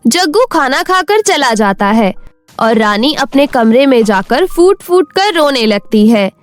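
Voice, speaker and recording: A woman's voice: sits high, very animated, measured pace, dry recording. A woman narrating a moral bedtime story in a scripted storybook style.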